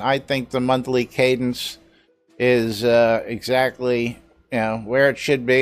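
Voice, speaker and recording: A man talks at a fairly slow pace while faint music can be heard in the background. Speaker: game streamer. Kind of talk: live stream commentary. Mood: mildly critical, calm. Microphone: studio mic.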